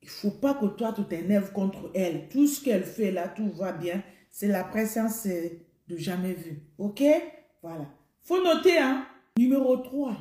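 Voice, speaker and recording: Give me an emphatic woman doing a joking advice monologue, mellow tone, room echo behind her. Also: mid-range voice, expressive, a little slow. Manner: emphatic, addresses listener directly, repeats points. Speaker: vlogger. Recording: roomy echo.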